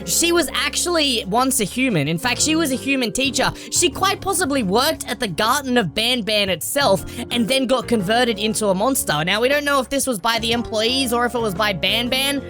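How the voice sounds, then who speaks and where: A woman hosting a gaming video, giving excited lore commentary in an exclamatory, dramatic and emphatic way. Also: on the high side, moderate pace, hardly any pauses. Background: background music.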